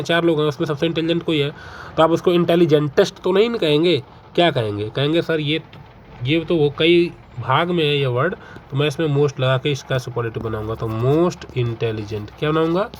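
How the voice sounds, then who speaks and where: A young man with a fairly high voice teaches an exam-prep grammar lesson in Hindi, explaining step by step and mixing in English terms. He asks questions and answers them himself, with faint background noise on the recording.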